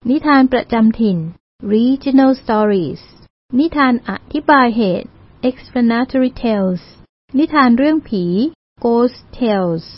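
A woman from Thailand presenting an educational community radio talk, speaking politely with frequent particles and English terms mixed in. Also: a little high. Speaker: university learning centre presenter. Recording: dull lo-fi radio recording.

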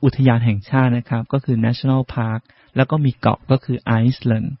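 A man's voice: mid-range voice, little pitch movement, normal speed, no room sound, muffled recording. A man hosting a radio English lesson, politely recapping each new word for the listeners. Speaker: radio host teaching English vocabulary.

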